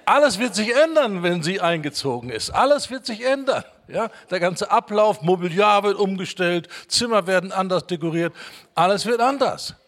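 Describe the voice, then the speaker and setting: A man preaching a sermon, emphatic, repeating key words and reading scripture slowly. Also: high voice, expressive, a bit bright.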